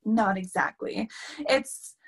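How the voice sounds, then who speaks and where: A woman's voice: mid-range voice, takes it slowly. A young woman playing a flustered, theatrical opera performer in a staged reading. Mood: defensive. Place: plain room, video call.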